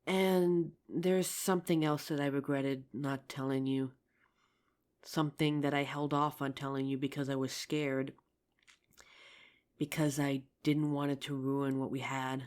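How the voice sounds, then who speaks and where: A performer playing a regretful, tender zombie apocalypse survivor in an intimate audio roleplay, speaking earnestly with hesitant pauses. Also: mid-range voice, level tone, a little mellow, natural voice. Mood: remorseful, confiding. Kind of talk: ASMR audio roleplay, intimate scripted drama.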